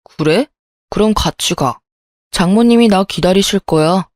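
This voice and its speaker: A woman's voice: medium pitch, unhurried, darkish tone, no room sound, clean studio sound, lightly acted. A woman voicing a selfish young husband who talks offhandedly and brushes off complaints.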